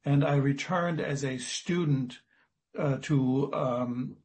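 Male guest professor, 60s, from Germany, measured and halting. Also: medium pitch, darkish tone. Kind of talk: radio interview.

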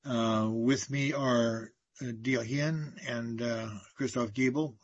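Male community radio host, husky, hesitant, dry and dull lo-fi recording. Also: medium pitch, fairly even intonation, slow. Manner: hesitant, many uh fillers. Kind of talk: casual radio talk.

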